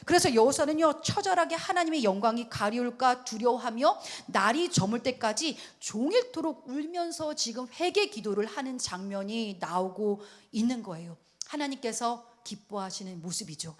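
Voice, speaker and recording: A middle-aged woman pastor delivers a sermon with a lively, swooping voice that sits a little high. She acts out quoted voices and laughs easily between points.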